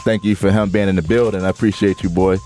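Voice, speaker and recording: A man hosting a radio talk show, reflective and halting, with many restarts as he speaks. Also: sits low, steady tone, mellow, faint music behind. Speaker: radio host.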